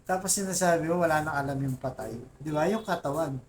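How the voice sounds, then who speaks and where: Talking quickly in a slightly high voice, a Filipino-accented man gives earnest, informal religious teaching to his viewers as a Catholic faith vlogger. He reads verses aloud and keeps repeating "di ba?", meaning "right?", along with "guys." A little hiss or hum sits under the audio.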